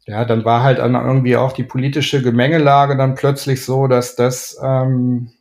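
A man's voice: medium pitch, level tone, normal speed, a little mellow. A middle-aged man from Düsseldorf, talking casually as a podcast guest, with many fillers and restarts. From Düsseldorf, Rhineland. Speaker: guest, ad man and gallery owner.

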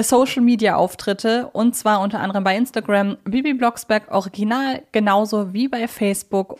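A woman hosts a podcast in a casual, conversational way. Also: mid-range voice. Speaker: podcast host.

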